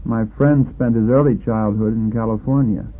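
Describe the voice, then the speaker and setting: A man's voice: on the low side, fairly even intonation, moderate pace. A man reading scripted drill responses on a language course, sentence by sentence with care. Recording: tinny, phone-like old lesson tape.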